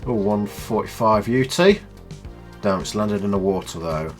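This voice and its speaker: A man with a stuffy nose from a cold, explaining a video game in a chatty, low-key tutorial. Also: animated, a little slow, soft background music. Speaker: gaming channel host.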